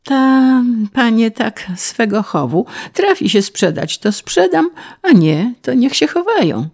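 A man's voice: extremely high pitch, big pitch swings, takes it slowly, vocal fry, darkish tone, pitched above the performer's own voice, exaggerated voice. A woman voicing a stubborn, plain-spoken male peasant farmer with a blunt, homely way of talking.

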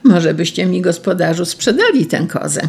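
A sly village thief, as a storyteller puts him on, wheedling and mocking in a gravelly voice. He sounds a little raised and husky, as in a told folk tale. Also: medium pitch, lively intonation, normal speed, darkish tone. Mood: sly teasing.

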